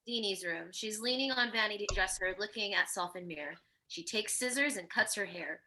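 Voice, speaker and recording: A woman's voice: mid-range voice, normal speed, sharp tone, slight background noise, rough recording. A woman narrating a screenplay, reading stage directions in a scripted table-read style.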